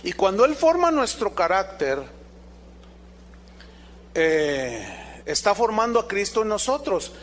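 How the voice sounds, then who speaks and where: A man's voice: high voice, big pitch swings, slow, long pauses, a bit bright. A man preaching a sermon as pastor, emphatic and full of rhetorical questions to the congregation.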